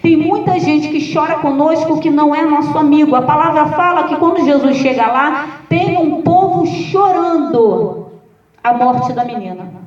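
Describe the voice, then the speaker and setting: A woman pastor with a Brazilian Portuguese accent, preaching a sermon with lively, humorous storytelling. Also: high-pitched, moderate pace, soft background music. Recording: echoey, distant, dull sound.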